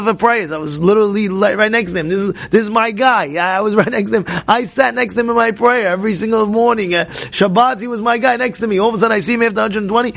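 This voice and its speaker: A man's voice: high voice, vocal fry. A man teaching a Torah class as a rabbi, pushing his points with repeated phrases and sudden emphatic bursts, asking questions and answering them himself. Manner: rises to emphatic near-shouts, repeats key phrases, asks and answers himself.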